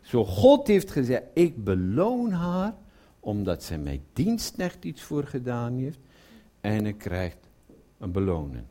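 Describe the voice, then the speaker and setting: A man preaching a sermon who retells a Bible story, drops to a low murmur for quoted lines and puts questions to his listeners. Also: huge pitch swings, takes it slowly, dark tone.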